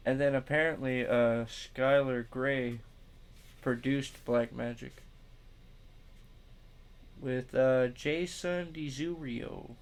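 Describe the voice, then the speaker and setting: A man's voice: mid-range voice, steady tone, slow, long pauses, clear, resonant tone. A young man co-hosting a casual podcast, rambling and stumbling over his words, swearing as he talks, short on sleep. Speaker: podcast co-host. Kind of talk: casual chat.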